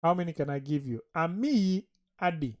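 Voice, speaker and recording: A language teacher giving a vocabulary lesson, saying each word slowly and repeating it with care. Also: medium pitch, expressive.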